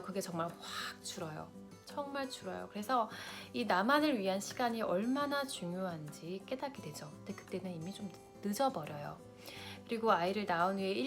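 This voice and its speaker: Vlogger, woman, late 30s, big-sister advice to camera, faint music under. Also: mid-range voice. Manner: warm big-sister advice, direct address to viewers. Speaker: lifestyle vlogger.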